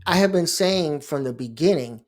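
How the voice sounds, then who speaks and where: A man's voice: a little high, expressive, moderate pace. A middle-aged man from Miami, a lawyer, talking casually in a rambling monologue with asides and restarts. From Miami, Florida. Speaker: bankruptcy lawyer and blog host.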